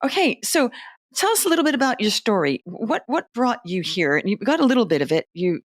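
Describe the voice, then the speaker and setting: A woman's voice: a little high, sing-song, fairly quick. A woman hosting an interview podcast, chatty and affirming, with many fillers. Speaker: podcast host. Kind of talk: conversational interview.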